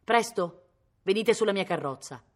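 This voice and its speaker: A woman's voice: medium pitch, animated, moderate pace, voice pushed up, natural voice. A woman reading aloud, voicing a haughty, capricious young noblewoman who sounds cool and teasing.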